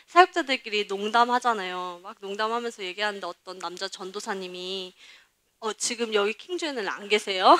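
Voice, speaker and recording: A young woman junior pastor preaching a personal testimony in a candid storytelling way, acting out the voices she quotes. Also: fairly high pitch. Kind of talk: testimony sermon.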